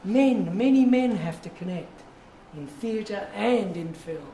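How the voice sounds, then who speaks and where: A man coaches his acting class, encouraging and drawn-out. His voice sits a little high. He is heard from across an echoey, noisy studio. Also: expressive, mellow. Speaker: acting teacher. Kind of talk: guiding a class warm-up. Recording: echoey room, distant mic, noisy.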